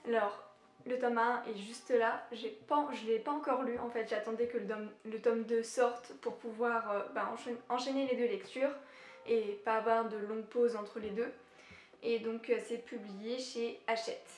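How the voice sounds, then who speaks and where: A woman's voice: on the high side, steady tone, normal speed. A young woman vlogging casually about upcoming books, hesitant, with many fillers and restarts. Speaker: book vlogger. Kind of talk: casual book chat. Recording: echoey room.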